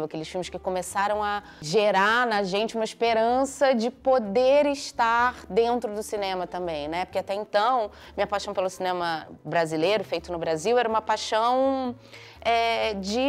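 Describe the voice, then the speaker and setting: Woman in her 40s, actress guest, reflective, lots of fillers, medium pitch. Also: smooth. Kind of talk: casual panel talk.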